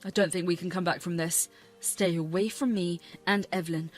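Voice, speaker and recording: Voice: mid-range voice, fairly even intonation, normal speed, natural voice. A voice doing an outraged betrayed son. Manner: outraged, confronting. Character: betrayed angry grown son and husband. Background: faint music.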